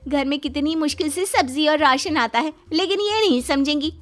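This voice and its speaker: A woman's voice: high-pitched, moderate pace, fairly bright tone, faint music behind. A woman voicing a young daughter-in-law in a cartoon who complains in an exasperated way. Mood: complaining.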